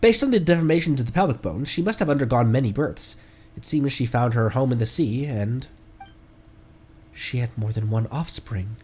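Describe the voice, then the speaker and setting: A man voicing an earnest, pedantic academic who lectures in a halting way. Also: mid-range voice, animated, a little mellow, slightly rough. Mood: earnest, lecturing. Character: earnest, pedantic young academic of marine bones.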